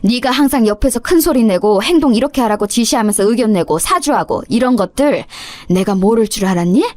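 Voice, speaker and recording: A woman's voice: fairly high pitch, expressive, fairly quick, darkish tone, dry recording, lightly acted. A woman voicing an older stepmother-in-law who lectures and scolds with indignant outrage, for a radio story drama. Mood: scolding.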